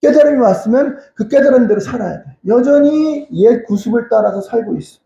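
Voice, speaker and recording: In a church sanctuary, a man delivers a sermon in an extremely high, creaky voice that is warm, animated and brisk. He asks questions only to answer them, repeats phrases, and keeps crying out hallelujah. The audio has the echoey, dull quality of a church hall.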